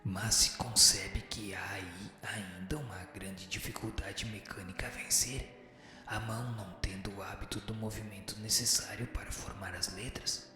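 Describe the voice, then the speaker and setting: An actor playing a solemn, learned spirit with a breathy voice, giving formal, measured, didactic answers in a radio drama, through cavernous reverb. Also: low-pitched, steady tone, pushed and bright. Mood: solemn, instructive. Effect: long cavernous reverb. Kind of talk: scripted radio drama reading. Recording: heavy echo and long reverb. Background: music.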